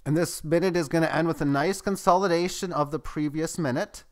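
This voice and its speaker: A man giving live, tick-by-tick commentary on a price chart as the host of his channel, growing excitable at key moments. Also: fairly quick. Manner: running play-by-play, excitable at highs. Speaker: market chart analyst.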